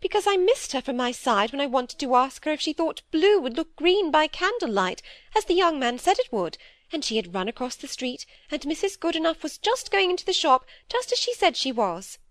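A woman's voice: sits high, big pitch swings, moderate pace, no echo, pitched above the performer's own voice. A woman voicing a timid, tearful elderly spinster who talks in an anxious, pleading flutter. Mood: fretful.

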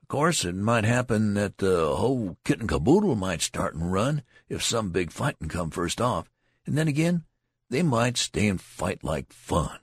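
A man's voice: low-pitched, lively intonation, normal speed, vocal fry, slightly rough, no echo, clean studio sound, heavily acted. A man voicing a tall, boastful young soldier who talks in a folksy, lecturing way. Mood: knowing. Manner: folksy rural talk, lecturing.

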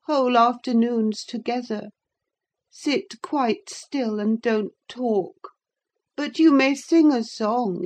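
A woman's voice: fairly high pitch, darkish tone, pitched above the performer's own voice. A woman voicing a sickly, peevish teenage boy in an audiobook reading, whining and impatient.

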